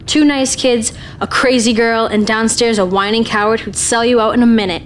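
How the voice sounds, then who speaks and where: A woman's voice: fairly high pitch, steady tone, moderate pace, slight background noise. A woman reading scripted narration for a radio drama. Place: theater stage. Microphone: stand microphone.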